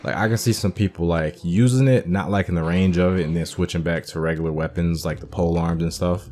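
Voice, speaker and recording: A man's voice: deep voice, steady tone, a little fast, a little mellow, a little hiss or hum. A man hosting a casual game playthrough, thinking aloud about the story while he plays. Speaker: gaming channel host. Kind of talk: casual let's-play commentary.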